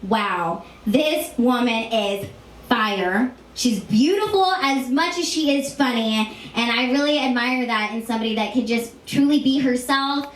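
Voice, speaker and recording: A woman's voice: fairly high pitch, measured pace. An American woman hosting a live talk show in a gushing, effusive manner. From Seattle, United States. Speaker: talk show host, comedian. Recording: echoey room with faint noise.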